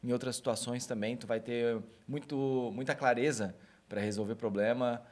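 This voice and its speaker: A man, a guest on a casual podcast, trading jokes with the others and giving measured advice. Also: mid-range voice, steady tone. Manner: joking banter, then measured advice.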